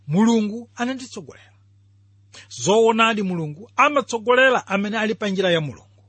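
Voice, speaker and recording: A man's voice: very high voice, sharp tone, slightly rough, no echo. A man teaching from the Bible in a radio sermon, explaining and putting questions to listeners. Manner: didactic, addresses listeners with questions.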